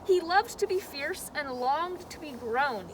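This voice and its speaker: A woman reading a children's story and teaching as a zoo educator, with an expressive, dramatic delivery. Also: a little slow. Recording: outdoor background noise, faint vehicle rumble.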